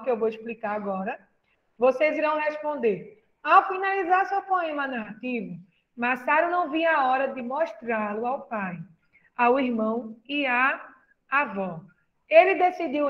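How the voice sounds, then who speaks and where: A woman's voice: high voice, dull audio. A woman teacher with a Brazilian Portuguese accent, patiently explaining a lesson and asking questions. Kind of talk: classroom lesson.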